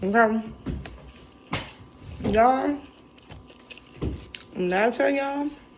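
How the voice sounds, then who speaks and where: Against noticeable background noise, a woman with a fairly high pitch and lively intonation speaks at a very slow pace with long, frequent pauses. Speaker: mukbang vlogger. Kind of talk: casual chat. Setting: at home late at night.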